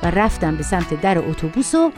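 A woman's voice: lowish voice, very animated, over loud music. A middle-aged woman narrating a personal story in the first person with vivid expression.

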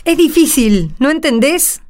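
A woman's voice: high-pitched, big pitch swings, measured pace, darkish tone. A woman with an Argentine accent acting a stubborn, curt school staff member in a radio drama. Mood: irritated. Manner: curt, contradicting.

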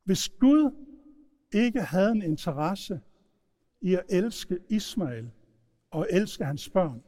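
A man preaching a sermon, retelling stories in a lively storytelling manner. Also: sits high. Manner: storytelling, animated retelling with shouted quotes. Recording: long hall reverb.

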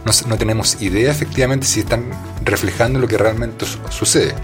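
A man's voice: on the low side, fairly quick, faint music behind. A man with a Chilean accent, a guest in a casual conversation, who talks hesitantly with many fillers and restarts.

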